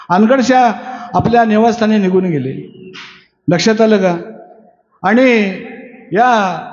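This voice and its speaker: A man giving a devotional sermon to a crowd as a kirtan preacher, preachy and constantly quizzing his listeners. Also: high voice. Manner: preachy, keeps asking the audience questions. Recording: echoey, dull hall sound.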